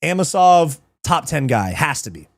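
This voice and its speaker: A man's voice: on the high side, normal speed, dry recording, studio quality. A man casually breaking down fights on a livestream, swearing, laughing and replying to live chat. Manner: profane, excitable, reads live chat, laughs often. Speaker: livestream MMA show host.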